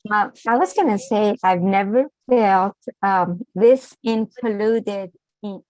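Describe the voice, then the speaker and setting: Woman, 60s, slow, hesitant, frequent ums, dry close sound. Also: medium pitch, darkish tone, no echo, poor audio. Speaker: participant on a call.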